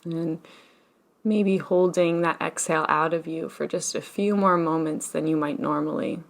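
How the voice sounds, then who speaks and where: A woman leading a guided meditation as a teacher, speaking in a gentle, soothing, unhurried manner with long pauses. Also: deep voice, fairly even intonation, creaky.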